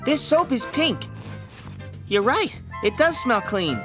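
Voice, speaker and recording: A woman's voice: on the high side, big pitch swings, takes it slowly. A woman voicing a nervous, food-minded sixth-grade boy sidekick who frets easily, with music behind. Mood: cheerful. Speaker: assistant detective. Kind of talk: audio drama acting.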